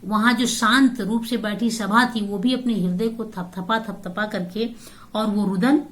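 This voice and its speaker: A woman's voice: medium pitch, fairly even intonation, unhurried. A woman teacher reads lines of a poem aloud and then explains each one in plain words. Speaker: Hindi teacher.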